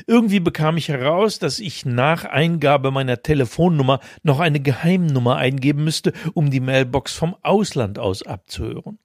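A man's voice: on the high side, lively intonation, normal speed, few pauses, no echo. Man reading with dry self-mockery. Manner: dry, self-mocking storytelling. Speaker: podcast co-host. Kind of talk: reading his own humorous column, then casual chat.

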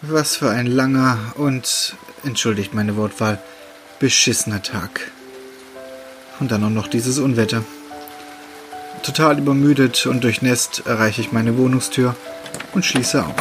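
Male narrator for short horror tales, mid-pitched, hushed and measured, music underneath. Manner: slow, hushed, deliberate delivery with dramatic pauses. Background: background music.

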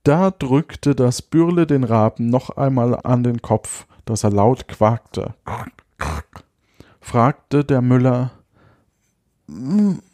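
A man reading an old fairy tale aloud at an unhurried pace, breaking off now and then with chuckles and asides. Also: medium pitch, mellow, no room sound, studio quality. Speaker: storyteller.

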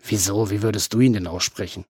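A man's voice: fairly low pitch, steady tone, fairly quick, darkish tone, slightly rough, dry recording, clean studio sound. A man voicing a weary, irritated older male detective who answers in curt, grumbling lines.

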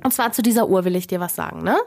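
A woman's voice: lowish voice, racing, creaky, a little mellow. A woman co-hosting a podcast, teasing and chatty, with many fillers. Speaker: podcast co-host. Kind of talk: casual chat.

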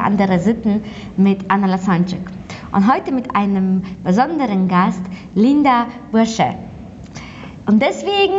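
Woman, podcast host, enthusiastic, quick questions, slightly high, dull lo-fi sound. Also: a little mellow. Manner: enthusiastic, quick, restarts sentences. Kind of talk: interview, asking questions.

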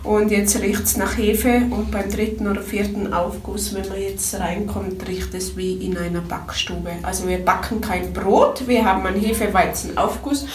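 A woman's voice: medium pitch, steady tone, normal speed, few pauses, slight background noise. A woman in her forties who owns a guesthouse, chatting casually in a vlog and laughing often. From Tyrol, Austria. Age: 40s. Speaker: guesthouse owner. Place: small wooden garden sauna. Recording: roomy echo, voice far from mic.

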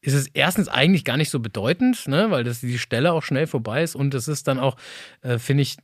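A man speaking at an ordinary mid pitch in a relaxed conversation. He thinks aloud, circles back and restarts his phrases often, recorded dry with no room sound. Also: brisk, no echo. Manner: reflective, rambling with many restarts. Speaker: voice actor. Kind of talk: casual podcast conversation.

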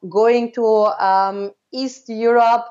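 A woman in her thirties from Austria, a podcast guest telling her story in a casual, halting way with many fillers and restarts. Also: on the high side, fairly even intonation, a little mellow, lo-fi sound.

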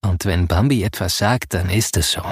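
Low husky guy reading an audiobook, soft and grave, dry audio. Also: normal speed, no room sound. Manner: soft, grave first-person storytelling. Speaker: narrator. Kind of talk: audiobook narration.

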